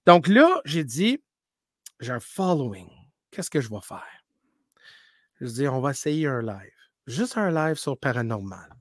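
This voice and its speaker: A man who grew up speaking English, talking in as a paranormal streamer in a casual interview, telling animated stories full of restarts and English words. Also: medium pitch, unhurried, long pauses, no room sound, clean studio sound. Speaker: paranormal live streamer, guest.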